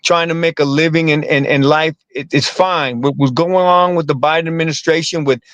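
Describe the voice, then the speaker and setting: A man's voice: on the high side, fairly even intonation, brisk, fairly bright tone, no room sound, highs cut off. A man, a comedian and actor, talking casually in an interview, rambling and repeating words with streetwise slang.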